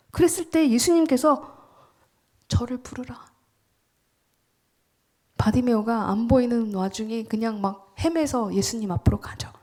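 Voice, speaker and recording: A woman pastor delivers a sermon with a warm, mellow voice pitched a little above the usual. She preaches emphatically, often sinks into a whisper, and keeps asking the congregation questions before answering them herself. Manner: emphatic preaching, dropping to whispers for quoted lines.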